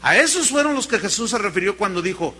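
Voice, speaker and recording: A man with a Mexican accent preaching a sermon, telling stories in an animated way and calling his listeners brother. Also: high-pitched, fast, breathy edge. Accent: Mexican Spanish. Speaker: pastor.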